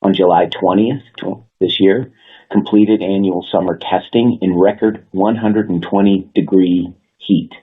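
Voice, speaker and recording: A man speaking as a company executive, delivering measured, businesslike prepared remarks on a conference call line. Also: sits low, steady tone, breathy edge, phone-quality sound.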